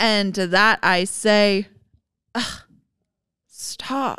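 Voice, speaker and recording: This is a woman's voice. Her pitch is fairly high. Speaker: comedy podcast co-host. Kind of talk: casual chat. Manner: animated.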